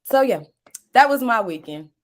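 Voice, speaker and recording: An American woman in her thirties with a slightly hoarse voice, telling stories in an animated, slangy way as a talk show co-host. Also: on the high side, moderate pace. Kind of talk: lively casual chat.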